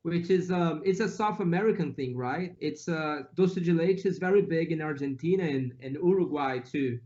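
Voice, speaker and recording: A man's voice: fairly high pitch, normal speed, dark tone, dull audio. A Brazilian man speaking English with a Brazilian Portuguese accent, chatting casually as a guest in an interview. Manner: easygoing, listing foods with Portuguese words.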